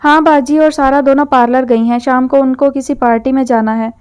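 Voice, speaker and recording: A woman voicing a brisk, matter-of-fact household maid in a novel reading. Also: sits high, fairly even intonation, darkish tone, clear, resonant tone, lightly acted. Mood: plain.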